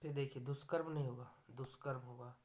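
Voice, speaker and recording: A man's voice: mid-range voice, steady tone, a little fast, darkish tone. A man teaching a grammar lecture for exam students, going through correct and wrong spellings word by word.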